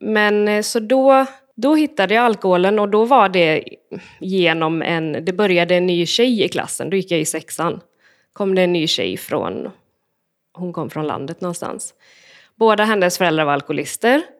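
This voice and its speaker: Speaking at a moderate pace in a normal speaking voice, a woman with a medium pitch uses lively intonation in a very clean recording with a silent background. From western Sweden (Borås). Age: 40s. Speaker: recovering alcoholic sharing her story. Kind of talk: personal testimony in interview.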